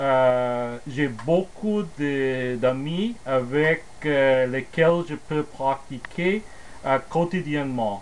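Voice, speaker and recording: Very slow speech comes from a man with an American accent. His fairly high pitch shows ordinary variation. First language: English (speaking French). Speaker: Spanish teacher, language learner. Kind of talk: casual vlog talk in learned language. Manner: halting, many fillers and repetitions.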